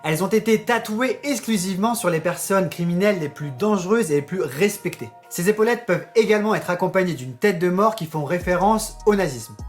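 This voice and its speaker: A man's voice: sits high, expressive, a little fast, few pauses, faint music behind. A man hosting a tattoo vlog, explaining in a chatty, joking way and talking straight to his viewers. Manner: chatty, addresses viewers directly, joking asides. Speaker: tattoo YouTuber.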